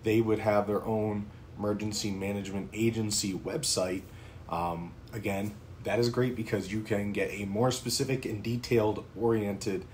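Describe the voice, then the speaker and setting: Frequent ums mark the informal delivery of a Pennsylvania man in his thirties who runs a prepping channel and records casual talking-head videos from a small home office. His voice sits lowish, and the recording carries a faint hiss or hum.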